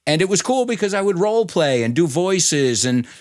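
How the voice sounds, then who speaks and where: Middle-aged US-raised man, bilingual guest, animated and chatty, close dry mic. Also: sits high, moderate pace, no room sound. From United States. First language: bilingual English and Spanish. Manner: animated, chatty, laughs often, many fillers. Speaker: ESL educator and podcast host, guest. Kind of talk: casual interview talk.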